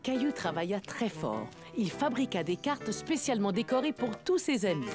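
Animated woman narrating a children's story. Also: medium pitch, moderate pace. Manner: storytelling, clearly phrased. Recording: music behind.

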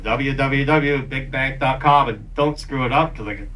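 An older man hosts a staged live demonstration in a conference meeting room before an audience, explaining things in a jokey, off-the-cuff way. His voice is medium-pitched, bright and forceful, at a measured pace. His handheld mic is picked up by a far-off camera, so the sound is distant and noisy.

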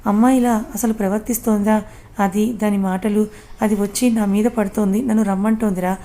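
A woman's voice: medium pitch, steady tone, fairly quick, warm tone, close to an everyday voice. A woman voicing a hot-tempered, troubled young man, scolding bluntly in a read-aloud story. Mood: angry.

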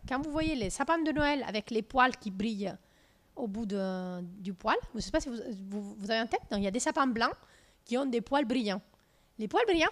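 Italian-accented woman lecturing with a handheld mic. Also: fairly high pitch. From southern Italy. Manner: lively storytelling, many fillers and restarts. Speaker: physics lecturer. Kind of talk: lecture with slides. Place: lecture room.

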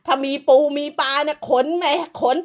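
A woman's voice: sits high, steady tone, normal speed. A woman delivering an angry, profane, scolding rant as an online commentator, hurling insults throughout.

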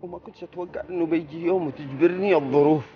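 An actor playing a weary, resigned husband with a husky voice and a Yemeni accent. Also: male voice, on the high side, rapid-fire, lo-fi sound, natural voice. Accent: Yemeni Arabic. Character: weary husband forced to emigrate. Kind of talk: TV drama acting.

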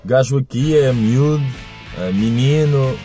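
A man's voice: mid-range voice, a little slow, distant mic, music in the background. Portuguese man asking a viewer question. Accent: European Portuguese. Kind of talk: recorded video question.

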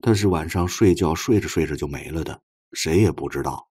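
一名男播讲者在有声小说里扮演一个腼腆笨拙、真诚而怀着哀思的年轻男人，说话磕磕绊绊。. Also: male voice, a bass voice, darkish tone, slightly rough. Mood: wistful grief. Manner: halting, stammering, awkward. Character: shy, clumsy, earnest young man, tenderly grieving. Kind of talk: audiobook character dialogue.

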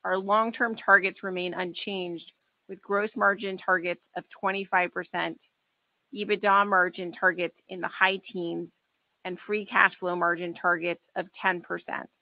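A woman in a formal, measured manner reading a scripted earnings call presentation as a finance executive. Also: fairly low pitch, level tone, no echo. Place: conference call webcast. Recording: dull, band-limited webcast audio.

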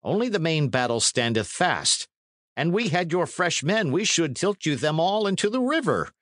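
A man's voice: fairly high pitch, very animated, normal speed, fairly bright tone, no echo, studio quality, pitched above the performer's own voice. A man reading a storybook as a medieval messenger, formal and reproachful, with archaic, urgent speech.

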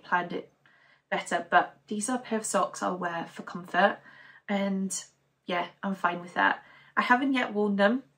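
A young woman from Denmark talks casually to the camera in her living room. She is chatty and upbeat, rambling with plenty of "um"s. Her voice sits at an ordinary middle pitch for a woman. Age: young adult. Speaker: knitting podcaster. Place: living room at home, indoors.

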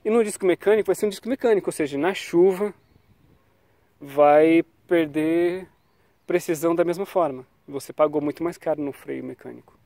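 A man who vlogs about cycling talks about bike brakes on an action camera, standing on a quiet paved road and sounding like he has a cold. He stays relaxed and chatty, closing thoughts with quick "tá?" and "né?" checks. His pitch sits on the high side with a dark tone, at a moderate pace, and no room sound is audible.

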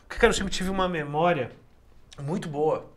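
A man's voice: on the high side, normal speed. A man hosting a podcast interview, chatty and relating things to himself. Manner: chatty, self-referential. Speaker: podcast host.

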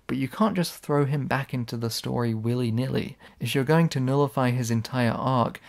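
A man's voice: mid-range voice, creaky, darkish tone. A man giving casual, sarcastic video essay commentary. He is blunt, swears when annoyed, and his voice sounds slightly worn.

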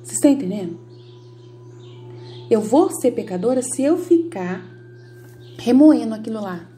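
Earnest Brazilian woman, mellow higher voice. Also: expressive, normal speed. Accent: Brazilian Portuguese. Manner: earnest, repetitive, often checks in with listeners. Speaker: Catholic study group leader. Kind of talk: informal religious teaching with personal examples.

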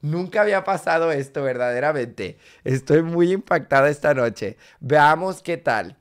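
A man's voice: fairly high pitch, expressive, normal speed, clear, resonant tone. A man with a Mexican Spanish accent hosting a live reaction video, talking in a flamboyant, campy, exclamatory way.

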